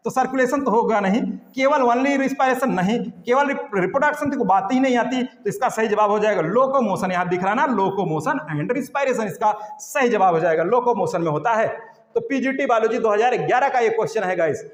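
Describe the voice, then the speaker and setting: A man's voice: extremely high pitch, lively intonation, fairly quick. A man teaching a biology exam-prep lesson. He repeats each question and its options, and keeps asking the students what the right answer is. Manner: repetitive, drilling questions, says "guys" often. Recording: echoey room with long reverb.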